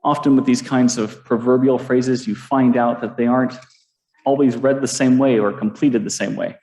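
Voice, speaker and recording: A man's voice: medium pitch, steady tone, moderate pace, dark tone, reverberant, rough recording. A man preaching a sermon to his congregation, playful and self-deprecating, drawing the listeners into a call-and-response game. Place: church sanctuary.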